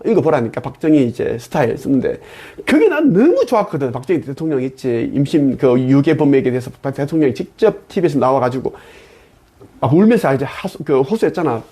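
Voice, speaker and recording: A man's voice: fairly high pitch, mellow, slightly rough. A man talking alone to his viewers in a preachy tone, throwing in many rhetorical questions. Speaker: channel host. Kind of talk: monologue.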